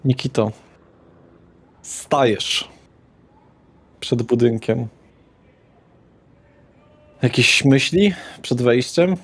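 A man's voice: mid-range voice, expressive, extremely slow, long pauses, breathy edge. A man narrating a tabletop roleplaying game as game master, describing scenes with small hesitations.

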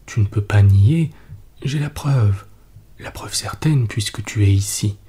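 A man's voice: lowish voice, unhurried, warm tone, husky. A man voicing a jealous, suspicious husband beside himself with anger, pressing with insistent repetition, in a whispered role-play. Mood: angry.

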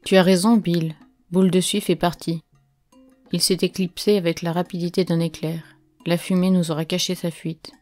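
A woman voicing a gruff, weary man on a frozen trail, grumbling and dismissive, in an audiobook. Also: lowish voice, little pitch movement, normal speed, darkish tone, no room sound, faint music behind, lightly acted. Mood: angry.

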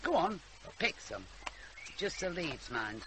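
An older actress playing an earthy, scolding country grandmother with a Northern English accent, brisk and dry-witted, in a radio drama. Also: low voice, big pitch swings, background noise. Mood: brisk, instructive. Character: sharp-tongued, earthy old country grandmother. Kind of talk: naturalistic radio drama acting.

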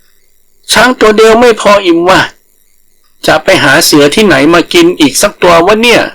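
A sly little storybook rabbit, played by a male narrator, with the pitch lifted well above plain speech. The delivery is brash and swaggering, a small trickster bluffing like a big predator. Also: normal speed, fairly bright tone, rough recording. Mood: boastful bluffing.

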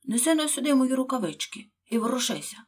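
A bossy male rabbit from a storybook audiobook, yelling orders in a high, husky, impatient voice, as a woman acts him out. He scolds and snaps at everyone, loud and quick-tempered. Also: expressive. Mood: shouting.

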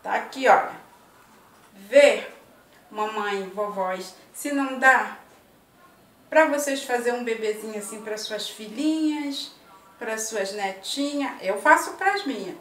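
A woman's voice: a little high, takes it slowly. Chatty woman in an echoey kitchen. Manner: chatty, affectionate, tags lines with "né" and "ó". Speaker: vlogger. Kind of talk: casual chat to camera. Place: home kitchen, indoors. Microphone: laptop or webcam at arm's length. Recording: echoey tiled kitchen, mic at a distance.

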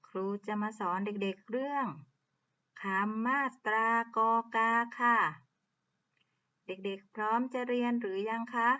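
A woman teacher giving a reading lesson to young children, sounding out syllables slowly and clearly. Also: fairly high pitch, fairly even intonation, bright, forceful tone, highs cut off. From Thailand. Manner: slow, drawn-out sounding out of words.

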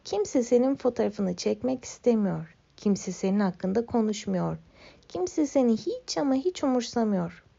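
A bragging, bullying female lake monster from a storybook jeers in a high sing-song voice, as a woman reader puts her on. Her tone has a low gravelly grain. The recording sounds a little dull and lo-fi. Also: expressive, normal speed, mellow, full character voice. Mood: taunting.

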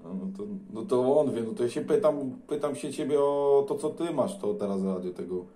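A man's voice: medium pitch, lively intonation, fairly quick, mellow. A man making casual, teasing and blunt small talk as a CB radio operator, in colloquial language.

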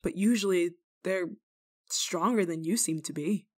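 A woman's voice: lowish voice, a little mellow. Bold, theatrical village nun played by a woman. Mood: awed, wondering. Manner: theatrical, scolding, teasing, dramatic pauses. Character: bold, stern but kind-hearted village nun. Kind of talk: ASMR roleplay monologue, dramatic acting.

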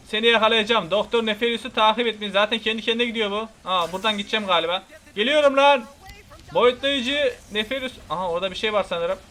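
Excitable high-voiced man commenting on a game. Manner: excitable, swears casually, yells at the game; reads on-screen text aloud. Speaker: gamer. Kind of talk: casual let's play commentary.

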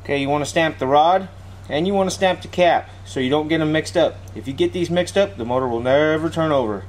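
In a garage workshop, a mechanic narrates an engine teardown, giving plainspoken, informal hands-on instructions. His voice is on the high side and brisk, and the recording is clearly noisy, with clicking sounds.

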